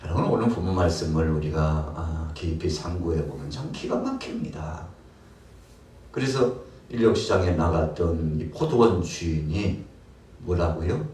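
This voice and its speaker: Pastor guy preaching, lively up-and-down voice, acts out scenes, church echo. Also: sits low, normal speed, a little hiss or hum. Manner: dramatic storytelling, acts out scenes. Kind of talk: sermon. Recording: roomy church hall, mic far off.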